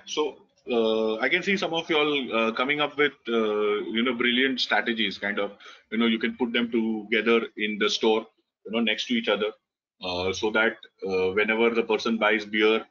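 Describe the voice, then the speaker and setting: Over a video call from an indoor room, a webinar lecturer in his thirties delivers an online business talk in an Indian English accent; his first language is Gujarati. His voice is fairly low, pushed and bright, and he speaks loosely with lots of fillers and restarts, heard through slightly dull lo-fi call audio.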